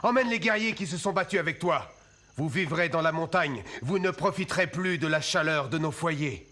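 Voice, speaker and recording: Stern, solemn tribal chief. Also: male voice, on the high side, sharp tone. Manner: grave, authoritative, measured. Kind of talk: French animated film dubbing. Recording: faint music behind the dialogue.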